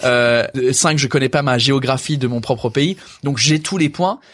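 A man's voice: mid-range voice, moderate pace, fairly bright tone. A man whose first language is English, a comedian talking in casual French chat with many restarts. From England. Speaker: comedian guest.

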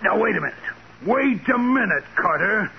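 Snippy hostile company boss in old radio play, highish voice, hissy. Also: male voice, expressive, moderate pace, gravelly. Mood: impatient, defensive. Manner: impatient, brusque, defensive. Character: curt, hostile male business supervisor. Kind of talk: 1940s radio crime drama acting. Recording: muffled, hissy 1940s radio recording.

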